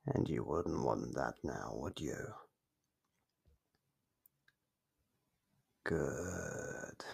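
Man voicing a slow, gravelly whispering monster. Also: sits low, full character voice. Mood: menacing playful. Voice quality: gravelly, breathy. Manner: slow, teasing, menacing. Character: ancient monster under the bed, sinister, playful, taunting. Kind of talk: ASMR roleplay, whispered and murmured.

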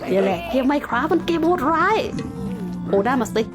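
Thai girl gamer narrating minecraft, high voice, teasing fake-villain lines then chill explaining, music under it. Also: animated, normal speed. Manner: playful, mock-villain taunts at game creatures; polite sentence endings, explains game facts. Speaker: gaming YouTuber. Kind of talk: playing Minecraft with running commentary.

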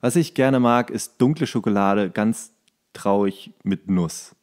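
A man's voice: lowish voice, a little slow, darkish tone. A man hosting a podcast in casual, joking chat, given to playful exaggeration. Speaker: podcast host.

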